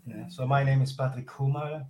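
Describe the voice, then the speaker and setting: Belgian-accented male guest, measured delivery, mid pitch, echoey room sound. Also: steady tone, crowd noise. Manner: measured, apologetic about his accent. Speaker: guest, chief solution architect. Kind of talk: podcast interview.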